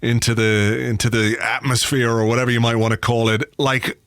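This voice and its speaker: A man hosting a football podcast with a cold that leaves him a bit croaky, chatting with a dry, sweary, self-mocking humour. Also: mid-range voice, level tone, brisk, fairly bright tone, no room sound. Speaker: podcast host. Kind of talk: casual football podcast chat. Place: home office. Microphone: studio microphone.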